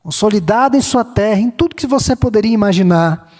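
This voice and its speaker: A Brazilian pastor with a Minas Gerais lilt delivers a sermon in a high, ringing tenor. He builds slow lists of phrases and lifts his voice on the words he wants to stress. The sound carries a long tail of reverb from a large church hall. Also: expressive, a little mellow. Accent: Brazilian Portuguese, Minas Gerais. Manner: measured preaching, lists in slow cadence, rising emphasis on key phrases.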